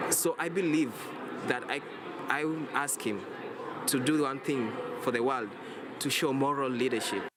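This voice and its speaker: A young man from Kenya, a student climate activist, speaking earnestly in a street interview. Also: mid-range voice. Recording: loud noise behind, outdoors.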